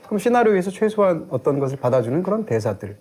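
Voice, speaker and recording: A man's voice: fairly high pitch, very animated, fast talker, darkish tone, husky. A middle-aged man, a film critic co-hosting a review show, explaining his points in long, fluent, lecturing arguments. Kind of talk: analytical film review discussion.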